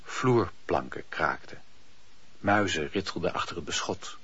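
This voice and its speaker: A man with a husky voice narrating a Dutch radio play as a scripted storyteller. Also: low-pitched, lively intonation, a little slow, fairly bright tone. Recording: dull, muffled old radio-play recording.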